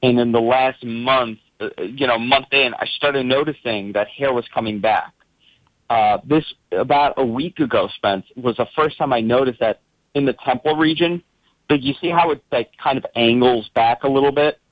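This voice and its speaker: A man's voice: mid-range voice, normal speed, no room sound. A man calling in to a talk show, describing things at length in a rambling, hesitant way with many fillers. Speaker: caller. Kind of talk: casual phone-in chat. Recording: dull lo-fi call line.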